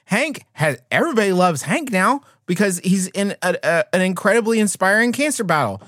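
A woman co-host delivers comic banter with a very lively, swinging pitch. She pleads with playful mock indignation. The recording is dry and close. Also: brisk, no echo. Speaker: podcast co-host.

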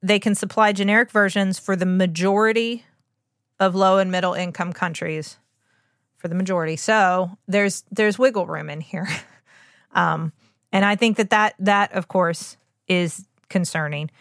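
A woman's voice: medium pitch, steady tone, normal speed, fairly bright tone, dry recording, studio quality. A woman hosting a podcast as a doctor, explaining in an earnest, informal way with emphatic asides. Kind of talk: conversational explainer on medicine.

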